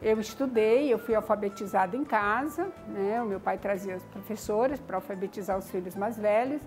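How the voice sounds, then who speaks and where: A woman's voice: mid-range voice, brisk, darkish tone. Older woman, reflective interview storytelling, faint background music. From Maranhão, Brazil. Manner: reflective, frequent "né?" and "tá entendendo?" tags. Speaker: community founder. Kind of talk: personal life story interview.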